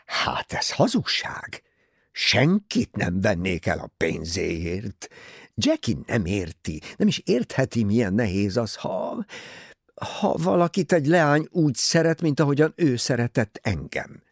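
A man reading aloud, voicing a nervous, agitated young husband who pleads and protests in excited outbursts. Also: medium pitch, gravelly, breathy edge, dry recording, studio quality, exaggerated voice.

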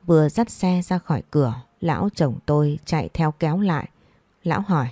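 A woman telling a sorrowful first-person story in measured scripted narration. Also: low-pitched, mellow, dry recording.

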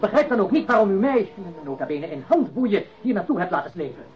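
An actor playing an evasive, nervous crook in a radio play, indignant and pleading, given to stammering. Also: male voice, high-pitched, sing-song, quick pace, faint music behind. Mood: stiffly indignant. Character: cornered male crook, protesting his innocence, evasive, nervous. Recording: dull lo-fi radio recording.

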